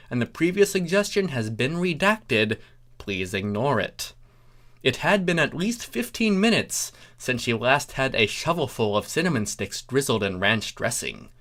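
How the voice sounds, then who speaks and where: Casting: comic story reader, animated pitch, theatrical and mock-pompous, slips into dry asides to the listener. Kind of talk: comic dramatic fan fiction reading with asides.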